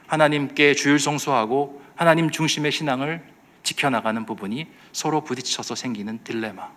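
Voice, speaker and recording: A man preaching a sermon as pastor at a midweek church service, with emphatic surges and drops in loudness. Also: on the high side.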